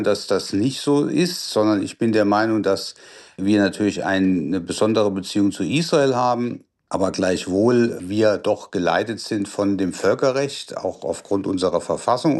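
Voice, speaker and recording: Male professor guest, lowish voice, careful explanations, pauses to rephrase. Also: a little mellow. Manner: deliberate, explanatory, with hesitations. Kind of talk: radio interview answers.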